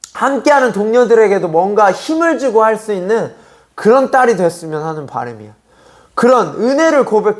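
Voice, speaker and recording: Middle-aged male preacher, youth service sermon, chatty tone, keeps asking the room questions. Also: sits high. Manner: conversational preaching with rhetorical questions. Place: church sanctuary.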